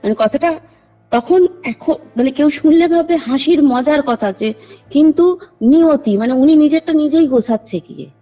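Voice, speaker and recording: Over a dull, lo-fi phone line with faint music, a woman calls in to tell a true ghost story from her own life. Her voice sits high and her pace is moderate, and she rambles earnestly, often addressing the host.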